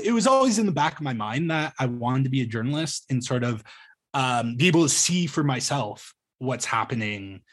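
A man in his thirties from Ontario speaks in a mid-range voice over a video call. He talks casually, hesitating often and restarting his sentences as he explains himself. He comes across as a journalist thinking out loud. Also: mid-range voice, breathy edge. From Ontario, Canada. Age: 30s. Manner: hesitant, many ums and restarts. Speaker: journalist guest. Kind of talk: casual interview conversation.

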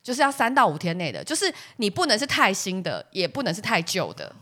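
A woman's voice: mid-range voice, fast. A woman co-hosting a casual chat podcast with a Taiwanese Mandarin accent, telling a story and acting out the people in it, with English words dropped in. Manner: animated, acts out the other people in her stories. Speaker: podcast co-host.

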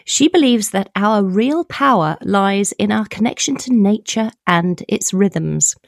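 A woman's voice: mid-range voice, lively intonation, unhurried, creaky, dry recording. A woman from the United Kingdom hosting a podcast in a studio, giving a scripted introduction with some whispered asides before interviewing her guest. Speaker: podcast host.

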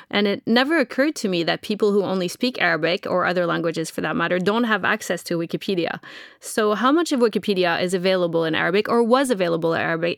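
Curious woman interviewer with gravelly fry. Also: fairly low pitch, no room sound, studio quality. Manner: curious, summarizing and checking back. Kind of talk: interview questions.

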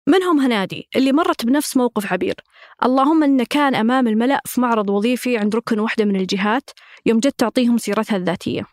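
A woman narrates a documentary podcast at a very quick pace, with a pitch a little above average. Her delivery is measured and scripted, and the recording is close and dry with no room sound. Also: no room sound.

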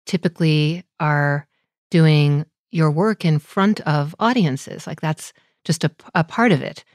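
A woman's voice: sits low, darkish tone, no room sound, clean studio sound. A woman writer interviewing a guest, talking thoughtfully and searching for her words. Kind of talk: conversational interview.

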